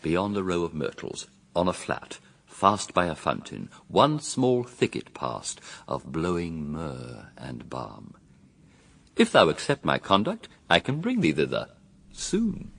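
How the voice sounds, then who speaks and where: An actor playing a sly, grandiose serpent tempter in a classical verse radio drama, impassioned and theatrical, full of rhetorical persuasion. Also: male voice, sits low, huge pitch swings, takes it slowly, vocal fry, fairly bright tone, recorded from a distance, heavily acted. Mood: coaxing.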